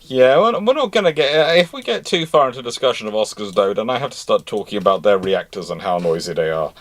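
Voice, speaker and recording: A man's voice: fairly low pitch, lively intonation, quick pace. A man in a casual live discussion of naval history, talking in a detailed, pedantic way. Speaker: live show panellist answering naval history questions.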